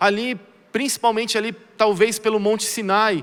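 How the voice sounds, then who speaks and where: A man projects a raised voice, high in pitch, with a bright, sharp tone. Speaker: pastor. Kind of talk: sermon. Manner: fast.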